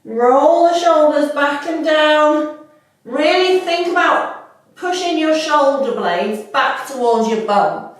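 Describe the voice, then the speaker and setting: A woman with a slightly stuffy cold, leading a workout with calm, unhurried cueing. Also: high voice. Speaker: fitness instructor. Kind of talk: guided workout instruction. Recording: echoey room, mic at a distance.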